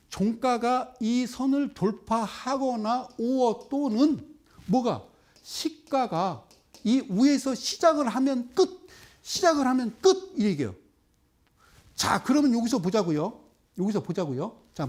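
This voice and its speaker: Middle-aged male market lecturer, high voice, lively, quizzes his viewers. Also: slightly rough. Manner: animated, talks straight to viewers with rhetorical questions; drops into slow, drawn-out explaining while pointing at a chart. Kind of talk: televised investment lecture.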